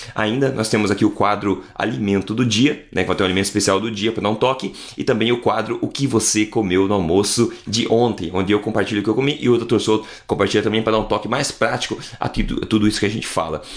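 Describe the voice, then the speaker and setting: Speaking at a very fast pace with hardly any pauses, a man uses a fairly low pitch and fairly even intonation. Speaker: health podcast host. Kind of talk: casual chat.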